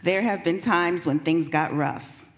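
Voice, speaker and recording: A woman reading scripture and scripted narration in a measured, recited way for a church readers' theater. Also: on the low side. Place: church sanctuary during a live service. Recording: distant, echoey hall with faint noise.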